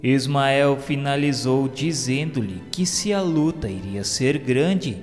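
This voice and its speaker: A man with a Brazilian accent reading scripted religious narration for a radio drama in a solemn, formal, measured way. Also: mid-range voice. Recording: long reverb, music underneath. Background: music.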